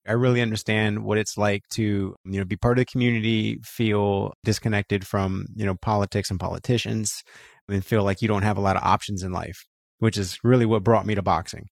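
A man's voice: lowish voice, steady tone, fairly quick, gravelly, no room sound, studio quality. A man from Florida, a podcast guest, telling his life story casually, peppering it with "you know" and "right?". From Florida, USA. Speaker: guest, co-founder of a voting rights group.

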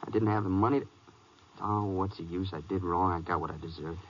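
A man's voice: sits low, steady tone, fast talker, a little hiss or hum, close to an everyday voice. A man acting a frightened, remorseful young prisoner in his twenties, stammering nervously in a 1950s western radio drama. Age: young adult. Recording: muffled old radio broadcast.

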